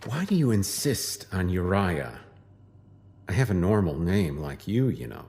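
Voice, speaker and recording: A man's voice: deep voice, sing-song, measured pace, a little mellow, full character voice. An actor playing a smug, menacing doctor who taunts his captive wife in an audio drama. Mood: mocking.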